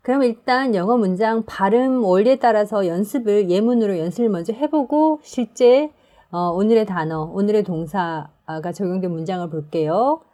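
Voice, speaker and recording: Korean woman teaching English pronunciation. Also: normal speed. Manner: explains step by step, stresses key words higher and louder. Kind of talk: online language lesson.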